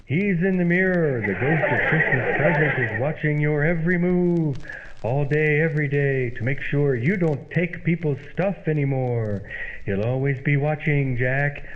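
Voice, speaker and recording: Man as smug comic prankster, pompous theatrical delivery, highish voice, old-time radio, tinny noisy sound. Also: animated, measured pace. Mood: spooky, drawn-out. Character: smug, self-congratulating prankster posing as a wailing ghost.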